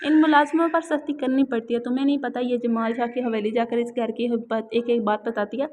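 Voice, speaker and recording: A woman's voice: on the high side, fairly even intonation, brisk, narrow, tinny audio, slight background noise, close to an everyday voice. A woman voicing an elderly grandmother who scolds and dotes by turns, in a storybook reading. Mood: irritated. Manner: scolding yet doting. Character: fond, fussy elderly grandmother.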